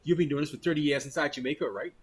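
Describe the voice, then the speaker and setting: A man's voice: fairly high pitch, rapid-fire, slightly rough. A man hosting a casual online interview, chatty and friendly, often tossing in the word "man" while he asks his questions. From Bahamas. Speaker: host.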